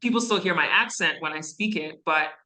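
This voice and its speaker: A woman who grew up in Canada speaks as a guest in a university classroom, answering students' questions. Her voice sits a little low but sounds bright and forward. She talks conversationally, wandering into asides and fillers. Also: fairly quick, poor audio.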